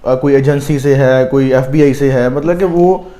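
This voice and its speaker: A man with a Pakistani accent giving advice as a visa counsellor, explaining at length with frequent hesitant pauses. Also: medium pitch, warm tone. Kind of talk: advisory conversation.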